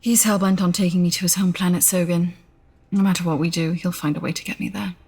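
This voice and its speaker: Guarded, husky-voiced female scientist. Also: fairly low pitch, fairly even intonation, fast talker, darkish tone. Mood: subdued, confiding. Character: guarded, serious female scientist aboard a starship. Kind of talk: audio drama acting. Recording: faint music behind the voice.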